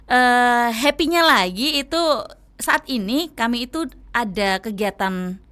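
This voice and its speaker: A woman's voice: a little high, animated, a little slow, sharp tone. A woman, speaking as an event spokesperson in a chatty, informal interview style. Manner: chatty, informal, peppered with 'gitu' tags. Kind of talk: casual conversational interview.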